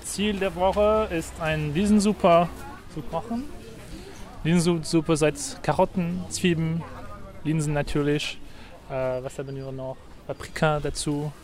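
A man's voice: on the high side, steady tone, measured pace, a little mellow. A man from France, a native French speaker, explains things in German with a French accent, hesitating between short phrases. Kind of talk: explanatory interview talk.

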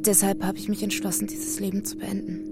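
An actress playing a controlled woman who brings bad news, speaking in a measured radio drama style. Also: medium pitch, flat delivery, loud music behind the voice, natural voice. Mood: dictating. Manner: measured, deliberate delivery. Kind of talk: radio drama acting with inner narration.

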